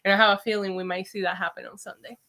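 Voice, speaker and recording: A woman's voice: mid-range voice, racing. A woman from Puerto Rico with a mixed Puerto Rican and New York accent, co-hosting a wrestling podcast in opinionated casual chat. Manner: animated, opinionated, laughs often. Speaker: podcast co-host.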